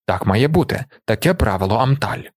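A man's voice: medium pitch, animated, brisk, no echo, studio quality, close to an everyday voice. A man reading the lines of a stern tribal chief in an audiobook, firm and commanding.

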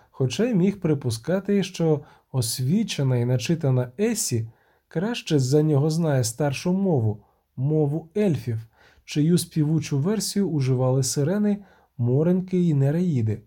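Brief: male storyteller, lively pitch, mellow dark voice, scripted fantasy narration. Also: moderate pace, slightly rough. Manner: expressive storytelling. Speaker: audiobook narrator.

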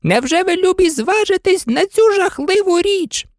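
A woman voicing small, frightened oysters in a storybook reading, with high, pleading cries. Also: wildly swooping pitch, slow pace, a little mellow, no echo, clean studio sound, heavily acted.

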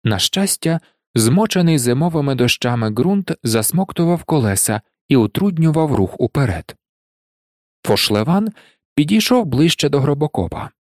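A man reading a novel aloud as an audiobook narrator, in expressive storytelling narration. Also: fairly high pitch, normal speed, dry recording, studio quality. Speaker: audiobook reader.

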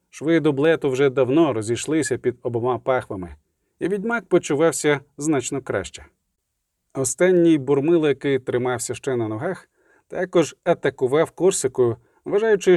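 Brisk male audiobook narrator, dark voice. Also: medium pitch, no room sound, studio quality. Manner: brisk, vivid action narration. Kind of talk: scripted narration.

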